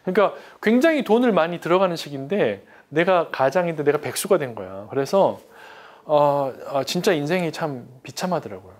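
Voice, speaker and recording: A middle-aged man preaching a testimony sermon, emphatic, breaking into loud pleading prayers. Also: fairly high pitch, lively intonation, fairly quick.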